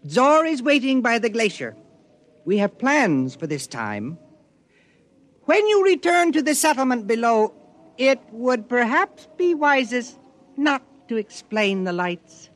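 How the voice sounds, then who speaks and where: An actor playing an otherworldly male alien in a 1950s radio drama, with a high, drawn-out, sing-song voice, on an old broadcast recording. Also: big pitch swings, fairly bright tone, exaggerated voice. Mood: eerie.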